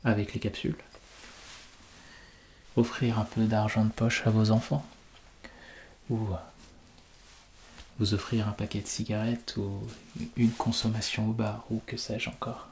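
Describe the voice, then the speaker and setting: A man doing a soft-spoken ASMR roleplay as a courteous, reassuring shelter official, formal and soothing, at times close to a whisper. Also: on the low side, flat delivery, measured pace, creaky, pauses often, slight background noise. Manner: polite, formal, soothing, often drifting into whisper. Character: courteous, reassuring male vault shelter official welcoming a resident. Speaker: ASMR performer playing a fallout-shelter host.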